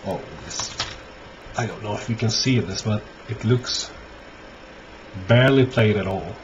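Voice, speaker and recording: A man giving a casual, unscripted show-and-tell as a collector, halting often and thinking aloud. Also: lowish voice. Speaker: record collector presenting finds. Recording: dull lo-fi audio, clear background noise.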